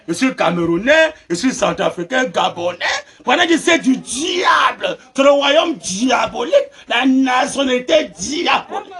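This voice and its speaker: A man preaching a sermon, laughing through his words, mocking and shouting amens. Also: extremely high pitch.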